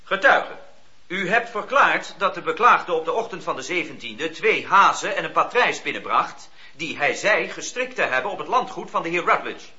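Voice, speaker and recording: An actor playing a stern, impatient judge in a radio play, formal and interrogating. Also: male voice, on the high side, lively intonation, moderate pace, pushed and bright. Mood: stern, probing. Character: stern, impatient male judge questioning a witness. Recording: dull, echoey radio play recording.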